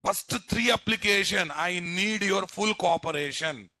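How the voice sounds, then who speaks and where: Sharp, high-pitched Telugu-accented male instructor. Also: unhurried, no room sound. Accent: Telugu Indian English. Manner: scolding, blunt, repeats himself, rhetorical questions and tag words. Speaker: programming instructor. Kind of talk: live classroom lecture to students.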